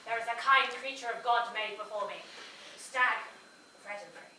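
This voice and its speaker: A woman's voice: on the high side, normal speed, pushed and bright. A woman playing an ancient talking crow, earnest and grandiose, declaiming in an amateur comic pantomime. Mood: solemn storytelling. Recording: echoey hall, distant mic, faint noise.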